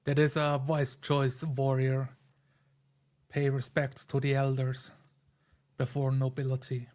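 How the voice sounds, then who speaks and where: A man with a mid-pitched voice takes part in a tabletop roleplaying game. He speaks slowly with flat intonation, switching between his character's dialogue and first-person description of his actions.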